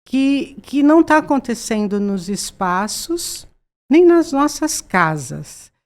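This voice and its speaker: A woman's voice: high voice, big pitch swings, slow, a little mellow. A Brazilian woman in her sixties, a psychologist guest, earnestly explaining ideas with many fillers and repeats. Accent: Brazilian Portuguese. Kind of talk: conversational explanation.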